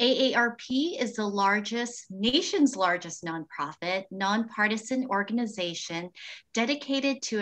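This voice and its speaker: Lively intonation from a woman at a fairly slow pace against a quiet background. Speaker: presenter. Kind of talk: presentation. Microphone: video call.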